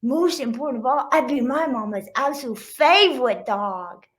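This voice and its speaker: Woman voicing a pouty, high-voiced little girl dog. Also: lively intonation, normal speed. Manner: childish, pouty. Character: little girl dog, youngest sibling, indignant and spoiled. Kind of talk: children's storybook read-aloud.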